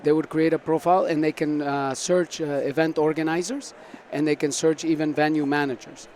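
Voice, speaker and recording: Higher-voiced man explaining, over background noise. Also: steady tone, a little fast, a little mellow. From South America (Argentina and Venezuela), born in Canada. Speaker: startup founder being interviewed. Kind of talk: conversational interview answers. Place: busy tech conference floor. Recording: noisy busy event with background ambience.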